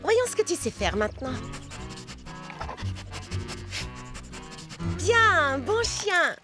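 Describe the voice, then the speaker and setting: An inquisitive, spirited cartoon girl. The voice is very high and lively, moving dramatically up and down, with music clearly behind it. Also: measured pace, heavily acted. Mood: thoughtful. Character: spirited, inquisitive young girl, dog owner. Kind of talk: animated children's cartoon dub. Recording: background music under the dialogue.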